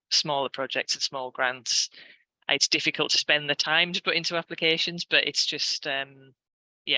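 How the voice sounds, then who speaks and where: A man's voice: on the high side, pushed and bright, clear, resonant tone, no room sound, low-quality recording. A man taking part in a casual discussion, offering observations tentatively and qualifying them as he goes. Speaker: visual artist, discussion participant. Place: online video call.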